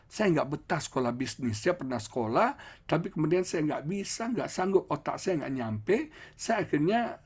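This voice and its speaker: A sheepish young man owning up, speaking low and a little husky, as a male preacher puts him on. He sounds unsure and pleading. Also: expressive, normal speed. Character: young adult son, sheepish and confessing.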